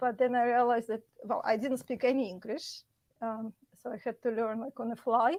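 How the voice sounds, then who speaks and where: A woman speaks at a fairly quick pace in a fairly high pitch with ordinary pitch variation, on a very clean recording with a silent background. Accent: Russian. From Russia, Moscow. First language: Russian. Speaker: school board candidate. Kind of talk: interview. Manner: hesitant, many fillers.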